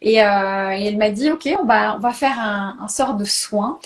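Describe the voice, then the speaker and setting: A woman's voice: medium pitch, normal speed. A woman chatting as a guest in a hesitant way, often repeating her words. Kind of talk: casual chat.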